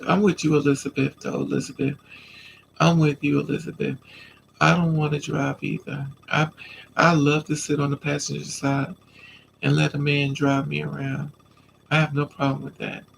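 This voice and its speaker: A man's voice: a little high, vocal fry, slight background noise, rough recording. A man with a stuffy nose from a coming cold, chatting casually on a live stream and answering viewers' comments. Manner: relaxed, chatty, talks back to commenters.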